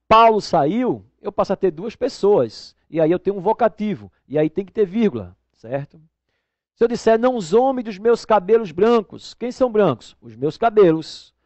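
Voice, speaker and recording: A male teacher talks through exam answers in a somewhat high voice. He spells out word parts slowly and keeps checking in with "right?". The recording is dry, close and slightly dull. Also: a little mellow, dry recording. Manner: didactic, checks in with tag questions like "né?" and "correto?". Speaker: Portuguese teacher. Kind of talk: exam-prep video lesson.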